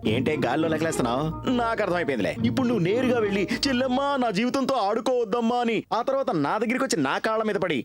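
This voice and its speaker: A man's voice: high-pitched, very animated, rapid-fire, over music. A man playing a boastful husband who teases and bickers with his wife in a dubbed comedy film. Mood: teasing.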